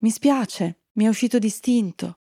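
An outspoken young unicorn girl speaks earnestly and firmly, pushing her point, as a woman reads her. The voice is warm and husky, with a slight gravel. The recording is close and dry. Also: fairly high pitch, a little slow, no room sound.

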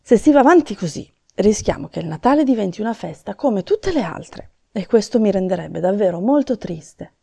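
A woman voicing a tired old Santa Claus in a storybook reading, gloomy, gentle and weary. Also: mid-range voice, animated, normal speed, creaky, few pauses, breathy edge.

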